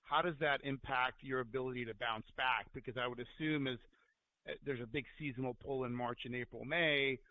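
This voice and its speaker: A man's voice: medium pitch, steady tone, brisk, slight background noise. A man asking long unscripted questions as a financial analyst on a conference call, thinking aloud as he goes. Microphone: telephone conference call. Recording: narrow tinny phone line.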